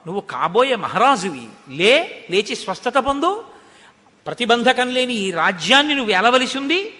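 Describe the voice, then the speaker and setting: A man's voice: very high-pitched, sing-song, normal speed, pushed and bright, full character voice. A man voicing a scheming queen mother who coaxes and soothes her son in a religious discourse. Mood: soothing. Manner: coaxing, soothing tone. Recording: long hall reverb.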